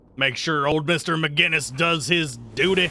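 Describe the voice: Using a put-on character voice, a man speaks with a Southern US accent at a fairly high pitch. The pace is moderate and the intonation fairly even. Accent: southern American twang.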